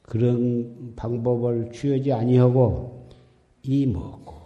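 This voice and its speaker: A man's voice: medium pitch, level tone, slow pace, lo-fi sound. A man giving an exhorting Buddhist sermon as dharma teacher, recorded in a temple hall. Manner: exhorting, repetitive, admonishing. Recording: echoey hall with long reverb.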